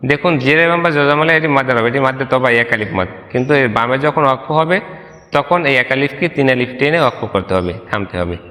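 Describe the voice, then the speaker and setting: A man teaching Quran reading, spelling letters slowly and chanting verses. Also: medium pitch, expressive, sharp tone, big-room sound. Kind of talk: step-by-step Quran recitation lesson.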